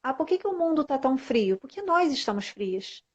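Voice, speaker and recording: A woman's voice: high-pitched, big pitch swings, brisk. A woman with a Brazilian Portuguese accent, a guest mentoring women, talking in an emphatic, preachy way on a live video call. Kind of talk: casual live-stream conversation. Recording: muffled live-stream audio.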